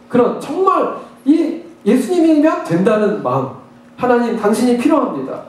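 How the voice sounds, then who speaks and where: A high-pitched man preaches with swooping, lively intonation, jumping between hushed asides and excited acted-out prayers. His voice rings through a very echoey church hall, picked up from some distance away. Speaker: pastor. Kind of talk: sermon. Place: church sanctuary.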